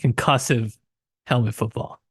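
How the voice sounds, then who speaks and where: Mid-pitched man, casual podcast talk. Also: steady tone, a little slow, fairly bright tone, husky, no room sound, studio quality. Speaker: podcast co-host. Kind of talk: casual book discussion.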